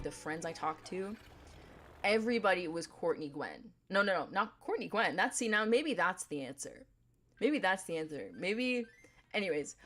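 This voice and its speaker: A young woman with a deep voice chatting casually on a gaming livestream, rambling in a playful, laid-back way. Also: a bit bright. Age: young adult.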